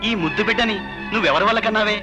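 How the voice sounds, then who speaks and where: A man's voice: high voice, rapid-fire, loud music behind the voice, lightly acted. An actor playing a jealous drunken young husband who taunts and threatens his wife in a dubbed film. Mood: scornful.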